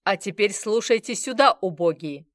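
A woman's voice: mid-range voice, big pitch swings, moderate pace, fairly bright tone, no echo, studio quality. A woman voicing a menacing male gang boss who barks threats and orders. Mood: threatening.

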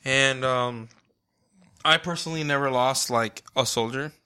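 A man who serves as an Army captain talks through his service in a loose, casual interview. His voice is bright and mid-pitched. He hesitates often, with restarts and fillers. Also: unhurried, clear, resonant tone.

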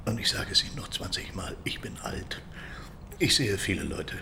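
An actor playing an irritable, reluctant old jeweller in a radio crime drama, halting and grudging, with a breathy, hushed voice. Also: male voice, lowish voice, very animated, in a whisper. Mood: irritated, defensive. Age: older.

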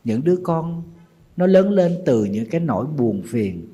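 A middle-aged Buddhist monk with a Southern Vietnamese accent tells a sad story during a sermon, referring to himself as teacher and speaking directly to his listeners. His voice is on the high side, very animated yet unhurried, mellow and slightly rough, with a mournful storytelling manner. The recording sounds muffled.

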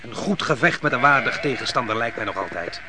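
An actor playing a proud, vengeful army commander in a radio play, with a boastful, commanding manner. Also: male voice, mid-range voice, lively intonation, fairly quick, background noise, lightly acted. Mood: boastful, scornful.

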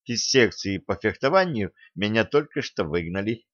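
A man's voice: fairly low pitch, animated, normal speed, fairly bright tone, dry recording, lo-fi sound. A man doing a sheepish young student. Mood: apologetic. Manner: mumbling, apologetic, subdued.

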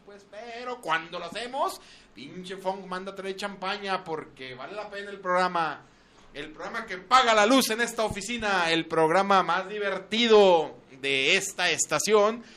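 A Mexican man hosting lively comedic radio banter in a teasing, foul-mouthed, exuberant manner. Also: high voice. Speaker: radio show host.

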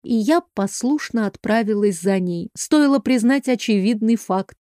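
A woman narrating an audiobook in first person, in a measured, expressive reading on a close mic. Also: fairly high pitch, no echo.

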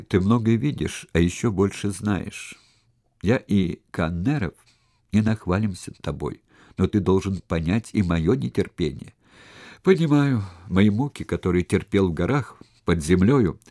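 A man's voice: low voice, animated, measured pace, no echo, studio quality, full character voice. Man voicing a raging ex-convict. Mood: impatient. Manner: shouting, clipped angry outbursts. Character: furious ex-convict man, vengeful, hot-tempered. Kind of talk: audiobook character reading.

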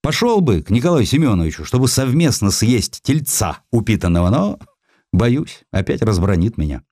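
A man's voice: on the low side, big pitch swings, normal speed, dark tone, no echo, pitched above the performer's own voice. Guy doing a grumpy old general editor, plaintive and old-timey, voice goes up and down a lot, audiobook. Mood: plaintive, aggrieved. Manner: querulous, plaintive, old-fashioned colloquial speech. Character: grumpy elderly Russian general turned magazine editor. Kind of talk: audiobook character acting.

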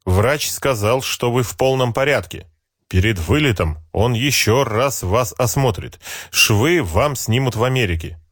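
A man voicing a cheerful, heavy-set older army officer who says each word slowly and deliberately. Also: medium pitch, animated, dry recording, studio quality. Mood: cordial, businesslike. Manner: friendly, brisk, matter-of-fact.

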